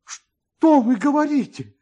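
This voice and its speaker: A man voicing an excitable, pompous minor official in a literary radio story, agitated and exclamatory. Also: very high voice, slow, pitched above the performer's own voice, exaggerated voice. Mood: astonished.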